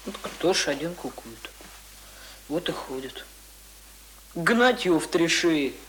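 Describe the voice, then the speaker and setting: Mischievous village boy for radio drama: high, lively, cheeky colloquial delivery, noisy tape. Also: slow pace. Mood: scheming, impatient. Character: mischievous, defiant village boy scheming pranks. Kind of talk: Russian radio play acting. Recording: noisy old radio play recording.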